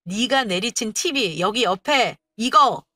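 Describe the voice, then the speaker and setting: A woman voicing a fierce young wife who answers her husband with sharp, cutting retorts. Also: on the high side, animated, unhurried, no echo, clean studio sound, exaggerated voice. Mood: furious retorts.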